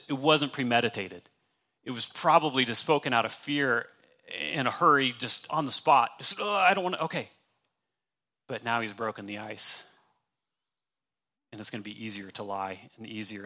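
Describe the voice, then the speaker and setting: A man's voice: mid-range voice, sharp tone. A man preaching a sermon in a conversational, emphatic way, acting out the lines he quotes. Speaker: pastor.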